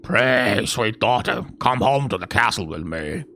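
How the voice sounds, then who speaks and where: A man's voice: medium pitch, expressive, measured pace, sharp tone, slight background noise. A man playing a pompous, stern old king and father in grand, archaic stage style for a fantasy game.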